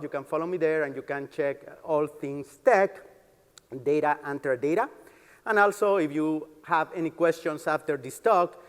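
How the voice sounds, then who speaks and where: A man speaks to a conference in a large hall with long reverb around his voice. He explains things as a developer advocate, informally and with enthusiasm, pausing and feeling for words at times. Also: fairly high pitch, a bit bright, clear, resonant tone.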